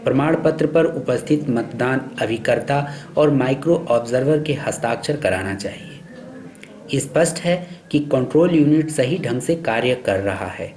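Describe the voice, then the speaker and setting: A man reading scripted instructional narration for a training film in a formal, measured, instructive way. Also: medium pitch, darkish tone, rough recording. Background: background music.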